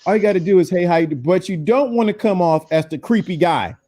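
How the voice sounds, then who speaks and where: A man in his forties giving casual dating advice, quick and repeating himself for emphasis. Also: high-pitched, lively intonation, dark tone. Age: 40s.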